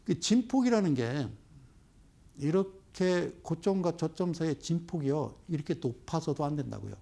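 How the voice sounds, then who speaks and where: A man's voice: fairly high pitch, expressive, normal speed, creaky, dark tone. A man giving investment broadcast commentary, scolding viewers with rhetorical questions. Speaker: stock market commentator.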